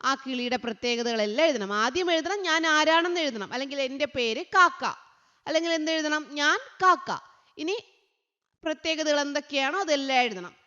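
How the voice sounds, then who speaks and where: A woman tutor, teaching young children, asking questions and answering them herself, sometimes chanting lines slowly. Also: sits high, sharp tone. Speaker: online tutor. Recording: dull sound with a long echo.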